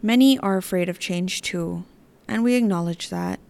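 Woman podcast host, earnest and reflective, scripted read, gravelly fry in the voice. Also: on the low side, normal speed, a little mellow. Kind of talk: scripted commentary.

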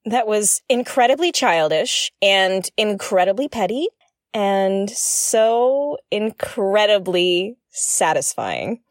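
A feisty space broadcaster in an audio drama. She is irreverent and candid, talking expressively at a middling pitch. The sound is very dry and intimate. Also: no room sound. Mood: gleefully petty. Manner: expressive, candid, prone to gleeful giggling. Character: feisty, irreverent woman pirate broadcaster living aboard her ship. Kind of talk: audio drama acting, conversational.

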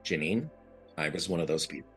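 Deep, bright-toned earnest man. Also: brisk, soft background music. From New York. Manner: earnest, reflective, with restarts. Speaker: guest, blind advocate. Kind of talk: candid podcast interview.

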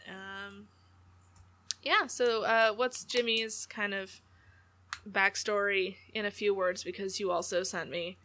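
Bright-voiced woman running the game. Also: mid-range voice, fairly even intonation, slow pace, slight background noise. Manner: teasing, playful asides. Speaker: game master. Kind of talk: casual tabletop game chat.

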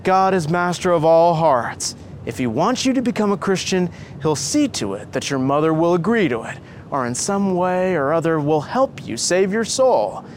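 Man reading as an earnest, pious young man, lively intonation. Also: a little high, moderate pace, a little hiss or hum. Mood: reassuring, earnest. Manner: reassuring, persuasive, preaching.

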